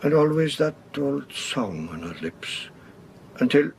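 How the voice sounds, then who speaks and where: An actor playing a deferential rustic manservant in a radio horror play, speaking in a halting, folksy way. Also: male voice, medium pitch, sing-song, creaky, a little hiss or hum, full character voice. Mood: reluctant, brooding. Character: deferential rustic manservant, plain-spoken and hesitant.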